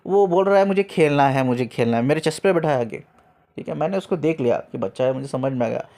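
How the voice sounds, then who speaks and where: Fast-talking, gravelly and fairly high-pitched, this man is a spiritual coach telling a lively story. English words slip into his speech, and he repeats things for emphasis.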